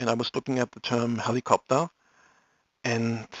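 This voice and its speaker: A man with a non-native accent talks at a moderate pace. His pitch is medium. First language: not English. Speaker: hobby electronics video host. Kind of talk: live stream chat with viewers. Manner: halting, many fillers.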